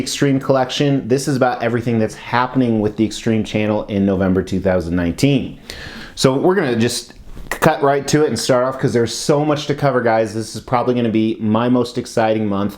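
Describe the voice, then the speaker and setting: Very fast speech from a man at medium pitch, ordinary pitch variation, and noticeable background noise. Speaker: collector vlogger. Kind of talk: casual vlog monologue. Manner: animated.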